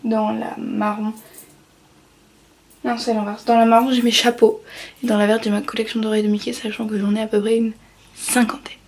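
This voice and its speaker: A woman's voice: a little high, little pitch movement, moderate pace, long pauses, a little mellow, recorded from a distance, a little hiss or hum. Chatty young woman in an echoey room. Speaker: vlogger. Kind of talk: casual vlog chat while tidying. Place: her bedroom, indoors. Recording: echoey room, voice from off-mic, faint background clatter.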